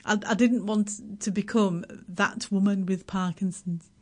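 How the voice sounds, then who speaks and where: A middle-aged woman from Yorkshire with a Yorkshire accent, chatting as a radio guest, self-deprecating and laughing often, with halting restarts. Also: medium pitch, steady tone, a little mellow. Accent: Yorkshire English. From Yorkshire, England. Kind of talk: casual radio interview.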